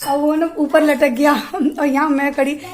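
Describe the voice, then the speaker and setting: A young woman vlogging from her home, chatting to camera and telling stories in a lively way. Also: high-pitched, unhurried, reverberant. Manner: chatty, animated storytelling. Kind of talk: casual chat to camera. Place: at home, indoors.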